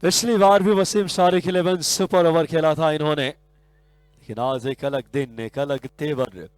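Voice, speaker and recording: Male cricket commentator, Hindi accent, fairly high, smooth dry voice, excitable play-by-play. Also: unhurried, dry recording. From India. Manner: excitable, rising sharply on big shots. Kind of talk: live sports commentary.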